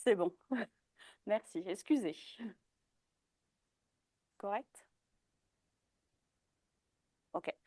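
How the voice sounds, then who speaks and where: A woman's voice: mid-range voice, animated, extremely slow, long pauses, dark tone, dry recording. A young woman giving a presentation as a dietitian, hesitant, with many fillers and restarts. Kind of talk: informal talk presentation.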